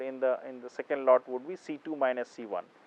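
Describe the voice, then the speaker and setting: In an Indian accent, a man speaks at a very fast pace. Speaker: university professor. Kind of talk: lecture.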